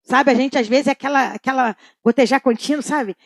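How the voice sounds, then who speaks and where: High-voiced woman teaching the Bible. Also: brisk, dry recording, studio quality. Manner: repeats key phrases, asks the audience questions. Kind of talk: conversational church Bible teaching.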